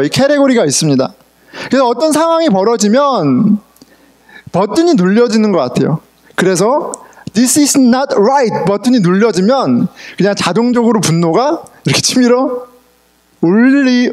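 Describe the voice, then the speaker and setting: Lively high-voiced pastor preaching. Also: male voice. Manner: conversational, asks the congregation questions, mixes in English words. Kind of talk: sermon. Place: church sanctuary.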